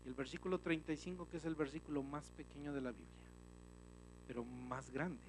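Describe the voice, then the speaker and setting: A male pastor preaching a sermon emphatically, swinging from loud to hushed and often calling listeners "brother". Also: on the high side, fairly even intonation, a little fast, background noise. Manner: often addresses listeners as "hermano".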